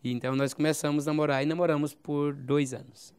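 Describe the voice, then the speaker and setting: A man in his forties with a Brazilian accent from Goiás, a pastor telling his life story as a guest in an interview, with a halting style that often repeats phrases and adds "né?". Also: fairly high pitch, level tone, darkish tone, smooth. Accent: Brazilian Portuguese, Goiás. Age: 40s. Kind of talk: recounting a personal testimony.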